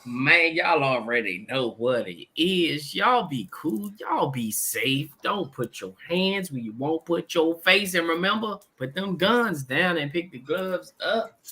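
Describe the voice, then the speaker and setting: A man co-hosting a podcast who closes the show in a slow, laid-back way. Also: on the high side, animated, bright, forceful tone, slightly rough. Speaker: podcast co-host. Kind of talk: show sign-off.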